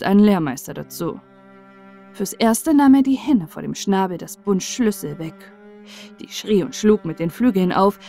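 A woman narrating a fairy tale as a bedtime audiobook, with measured, expressive storyteller delivery. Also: mid-range voice.

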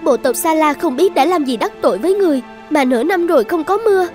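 A woman playing a devout, self-sacrificing young tribal maiden in an animated folktale, earnest and reverent. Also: sits high, fast, soft background music. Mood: reverent pleading. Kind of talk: dubbed animated folktale acting.

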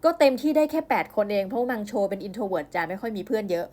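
A woman hosting a podcast, casually reviewing a novel and retelling its plot, acting out the characters' lines in a higher voice. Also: expressive, fast, darkish tone. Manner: chatty, acts out characters' lines with raised pitch.

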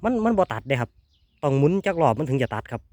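A man with an Isan accent hosting a casual hands-on demo, talking excitedly and repeating his words as he tests an engine. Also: medium pitch, rapid-fire, no echo. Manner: excited, repeats words, exclaims over results. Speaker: video host.

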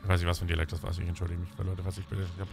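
A man's voice: low voice, completely flat delivery, rapid-fire, vocal fry, music in the background. A man doing casual gaming commentary as he plays, talking in a crude, joking, colloquial way. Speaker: co-host and player in a gaming let's play.

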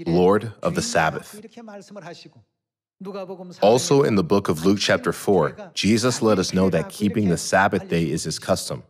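A middle-aged man preaching a sermon at a pulpit, measured and posing rhetorical questions he then answers. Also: sits low. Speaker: pastor. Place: large church hall, at a pulpit. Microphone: podium microphones.

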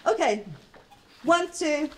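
A woman in her thirties from Finland with a Finnish accent, teaching a live jiu-jitsu technique class in a loud, plain, halting way. She is recorded by a far camera in a large, bright mat hall with windows. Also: high-pitched, lively intonation, very noisy.

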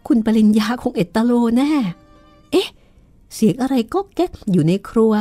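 Woman voicing a hoarse, jumpy old housekeeper. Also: fairly high pitch, very animated, normal speed, warm tone, soft background music, voice pushed up. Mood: suspicious. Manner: shrieking for help in panic. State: hoarse from a cold. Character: old female housekeeper, fussy and easily frightened. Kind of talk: reading a horror novel aloud.

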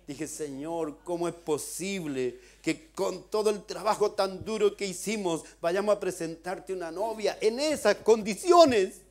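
Preaching Chilean man, shouting at climaxes. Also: high voice, a little slow, few pauses. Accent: Chilean Spanish. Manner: retells a vision with many "dice", builds to shouted pleas. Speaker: pastor. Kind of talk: sermon. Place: church.

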